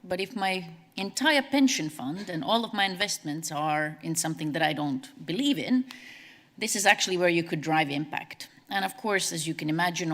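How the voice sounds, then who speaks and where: A woman from Latvia, giving a brisk, conversational conference presentation as a CEO. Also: on the low side, fairly bright tone. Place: large conference hall. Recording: long hall reverb.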